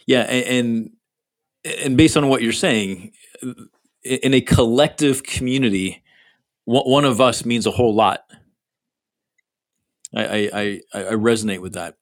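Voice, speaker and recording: Gentle, stammering host asking questions. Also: male voice, mid-range voice, unhurried, pauses often.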